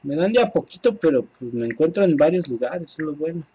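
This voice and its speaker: A man with a Mexican accent giving casual, excitable gameplay commentary, swearing freely and talking to his viewers. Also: a little high, fast, slightly rough, dull audio. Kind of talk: casual let's-play commentary.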